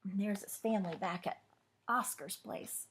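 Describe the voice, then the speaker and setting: A woman reading a storybook aloud to children as a librarian, with expressive narration. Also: mid-range voice, moderate pace, a little hiss or hum.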